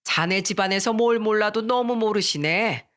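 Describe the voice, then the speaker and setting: A woman's voice: mid-range voice, normal speed, fairly bright tone, lightly acted. A storyteller voicing a pushy, greedy middle-aged mother-in-law who talks down in a brazen, condescending way. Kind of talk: storybook narration.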